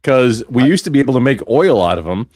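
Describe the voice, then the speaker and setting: A man's voice: medium pitch, sing-song, fast, darkish tone, no room sound, clean studio sound. A man chatting casually on a live stream, joking, swearing and contradicting people. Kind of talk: casual bantering chat.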